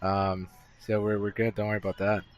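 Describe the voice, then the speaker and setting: A man's voice: on the low side, level tone, brisk, no room sound. A young man co-hosting a podcast from a pub, telling office stories in a rambling, self-interrupting casual chat. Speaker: podcast co-host. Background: bar chatter.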